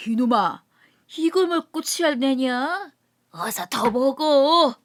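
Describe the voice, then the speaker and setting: Lady putting on a rowdy drunk rickshaw guy, loud and slurry, yelling high. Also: lively intonation, takes it slowly. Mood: boisterous drunk. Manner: slurred rowdy shouting, bragging. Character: drunk middle-aged male rickshaw puller, boisterous.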